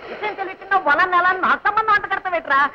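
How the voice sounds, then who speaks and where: A fast-talking, bossy village policeman. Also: extremely high pitch. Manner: brisk, teasing and bossy. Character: bossy, talkative male village police constable. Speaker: police constable. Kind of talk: comic film acting. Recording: lo-fi old film soundtrack, crowd behind.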